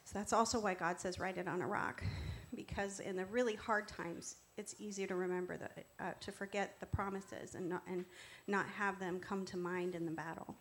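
A woman's voice: mid-range voice, steady tone, normal speed, hardly any pauses, slight background noise. A woman preaching in a conversational style, earnest and instructive as she encourages her listeners. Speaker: preacher giving testimony. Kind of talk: conversational sermon.

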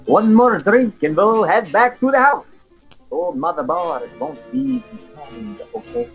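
A man's voice: sits high, very animated, unhurried, husky, full character voice. Guy doing a swaggering crude drunk spoiling for a fight, kinda dull lo-fi audio, faint music. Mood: cocky, placating. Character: cocky, belligerent drunk man itching to fight. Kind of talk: audio fiction acting.

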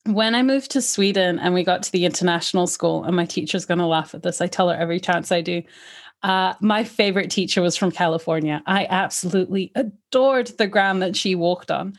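A woman's voice: on the low side, brisk. Woman telling her life story in an interview, accent all mixed up, bits american, british, scottish, laughs a lot. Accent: mixed, with American, British and Scottish traces. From Africa. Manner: lively storyteller, laughs often. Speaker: podcast guest. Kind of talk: conversational interview.

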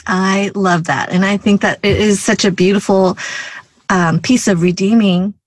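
A woman's voice: medium pitch, fairly even intonation, measured pace, no room sound. A woman hosting a podcast interview, asking chatty questions with many fillers. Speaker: podcast host. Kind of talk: conversational interview.

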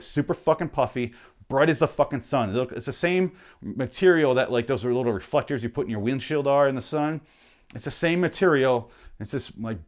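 A man from Michigan rants about coats, swearing freely and loudly exasperated. His voice is wearing out and turning hoarse, and his pitch sits squarely mid-range for a man. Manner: loud exasperated swearing, mock outrage. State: voice going hoarse. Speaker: vlogger ranting on camera. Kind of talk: profane comedic rant.

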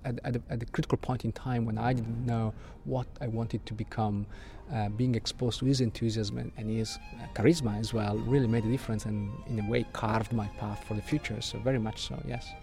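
A man's voice: medium pitch, little pitch movement, fairly quick, gravelly, dark tone, soft background music. A middle-aged man from Switzerland, answering interview questions as a guest astrophysicist and often repeating words as he restarts.

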